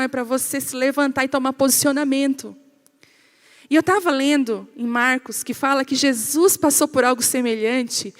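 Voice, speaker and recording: A woman pastor with a Brazilian Portuguese accent delivers a lively sermon in a high voice. She tells stories and keeps questioning her congregation. A long reverb trails her words in a church hall. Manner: animated storytelling, addresses the congregation directly.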